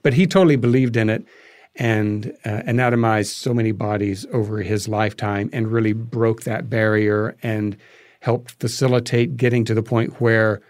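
A man being interviewed as a guest, telling anecdotes conversationally and haltingly as he thinks aloud. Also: lowish voice, steady tone, darkish tone, no room sound, studio quality.

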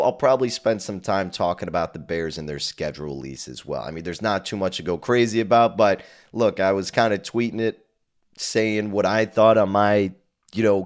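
A slightly hoarse man hosting a sports betting podcast in a casual, rambling, slangy and self-deprecating way. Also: fairly low pitch. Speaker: podcast host.

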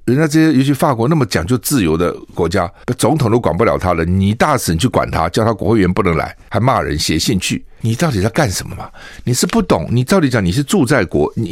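A medium-pitched older man from Taiwan hosts a radio talk show, giving opinionated commentary laced with scolding rhetorical questions, recorded on a studio microphone with clean sound and no echo.

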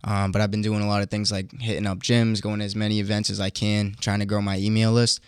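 A man's voice: fairly low pitch, level tone, fast talker, clear, resonant tone, no room sound, studio quality. A young man in his twenties with a Boston accent, introducing himself casually as a podcast guest. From Boston, USA. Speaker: podcast guest, new entrepreneur. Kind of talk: casual self-introduction and question.

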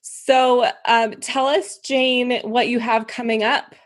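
A woman's voice: on the high side, flat delivery, slow pace. A woman hosting a podcast, talking reflectively with frequent fillers. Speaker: podcast host. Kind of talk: casual interview chat.

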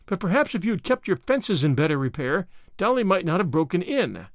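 A man's voice: high voice, sing-song, a little fast, dry recording, clean studio sound. A man voicing a composed, dignified young woman who speaks firmly in an audiobook story. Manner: dignified, firm.

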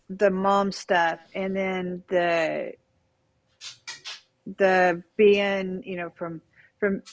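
A woman's voice: on the low side, no room sound. A woman in her thirties, a podcast guest, telling a personal story in a hesitant way, full of fillers and restarts. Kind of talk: candid conversational storytelling.

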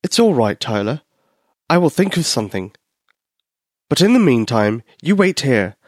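A man voicing a calm, reassuring male helper figure in a children's story. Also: mid-range voice, moderate pace, no echo, studio quality.

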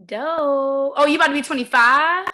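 High bright chatty woman interviewer. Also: moderate pace. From Virginia. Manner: chatty, laughs easily. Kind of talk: casual interview chat.

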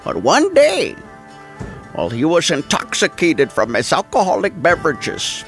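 A man plays an older cholo homeowner who rambles through long stories and loses his thread mid-sentence. His voice is high and gravelly with big swoops in pitch, as in a comedy sketch. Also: huge pitch swings, a little slow, soft background music, heavily acted. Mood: storytelling. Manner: drawling, rambling, trails off mid-thought. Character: older laid-back male cholo homeowner, rambling storyteller.

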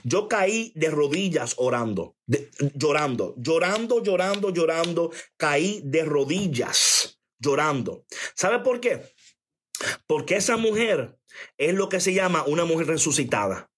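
Emphatic preacher man, fairly high voice. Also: big pitch swings, a little slow, husky. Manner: emphatic, repeats phrases, calls for attention; reads chat comments aloud. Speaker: preacher on a live stream. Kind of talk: sermon-style testimony.

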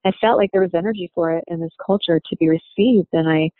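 A woman telling a personal story in an interview, reflective and halting, often pausing with "you know.". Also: fairly low pitch, no room sound. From United States. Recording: dry, tinny phone-like sound.

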